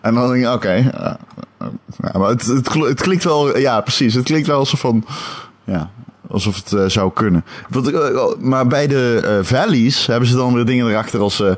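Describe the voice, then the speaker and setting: A man co-hosting a game podcast in casual chat, animated with hesitant restarts and casual swearing. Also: mid-range voice, normal speed.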